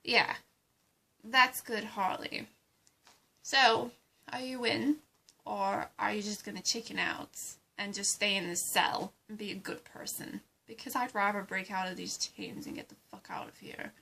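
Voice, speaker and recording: A woman voicing a scheming female supervillain in a fan roleplay, talking slowly and condescendingly and dropping into menacing whispers. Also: medium pitch, steady tone, gravelly, bright, forceful tone, full character voice, low-quality recording. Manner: slow, condescending, drops into menacing whispers, calls everyone darling.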